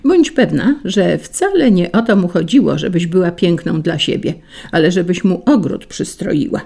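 A woman's voice: on the low side, animated, measured pace, gravelly, warm tone, exaggerated voice. A woman voicing a spiteful, boastful male wind in a storybook tale, sly and taunting. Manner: sly and taunting, rising to bluster.

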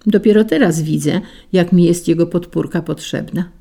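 A woman voicing a calm, dignified female lily in a storybook tale, speaking gravely and firmly. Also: fairly low pitch, normal speed. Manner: grave and firm.

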